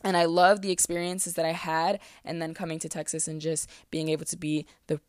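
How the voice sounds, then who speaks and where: A woman's voice: low-pitched, little pitch movement, fairly quick, no echo, clean studio sound. A woman in her twenties from the East Coast, hosting a casual solo podcast and talking candidly, with many fillers and restarts. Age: 20s. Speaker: podcast host. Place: closet, small room.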